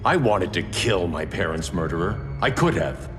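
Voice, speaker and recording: An actor playing a stern, grim vigilante in a game cutscene, with a measured, serious delivery. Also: male voice, deep voice, animated, long reverb tail, music in the background. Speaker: game character.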